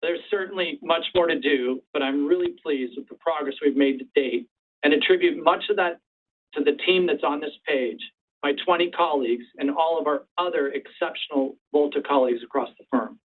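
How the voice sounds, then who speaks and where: A man speaking as a company executive on an earnings call, in a measured, deliberate way. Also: on the high side, a little hiss or hum. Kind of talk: prepared remarks and candid answers to analysts. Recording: distant, tinny phone-line conference call.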